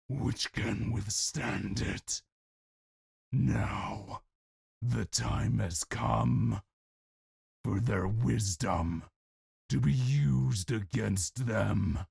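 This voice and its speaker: A man voicing a pained, vengeful inhuman creature that proclaims its uprising in halting, solemn, raspy speech for a story. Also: mid-range voice, voice pushed up, heavily acted. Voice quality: raspy, gravelly. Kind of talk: dramatic character narration.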